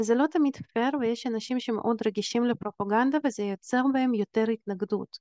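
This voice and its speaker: A woman speaks at a fairly quick pace with very even loudness and ordinary pitch variation. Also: hardly any pauses. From Israel. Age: 30s. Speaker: life coach and therapist. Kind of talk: solo podcast monologue.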